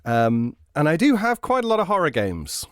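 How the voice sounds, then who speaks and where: A man's voice: on the high side, huge pitch swings, moderate pace, clean tone, dry recording, clean studio sound. A man chatting casually as a podcast guest, polite, hesitant and self-deprecating. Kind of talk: casual chat.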